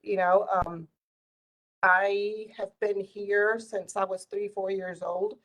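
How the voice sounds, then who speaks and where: A middle-aged woman who grew up speaking Spanish talks in a relaxed, conversational storytelling style. She has a medium-pitched voice and retells exchanges by quoting them in an animated manner. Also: slow, low-quality recording. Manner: animated retelling with quoted dialogue. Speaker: community volunteer sharing life stories.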